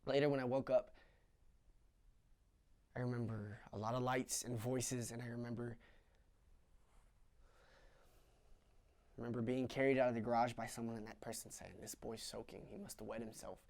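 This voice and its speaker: A haunted young man confesses painful childhood memories, as a young actor plays him in a solo stage monologue. His delivery is raw and confessional, dropping to a hush and then breaking into sobbing cries, at an ordinary middle pitch. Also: little pitch movement, brisk, gravelly, close to an everyday voice. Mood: quiet recollection. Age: young adult. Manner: raw and confessional, swinging between hushed recollection and sobbing screams.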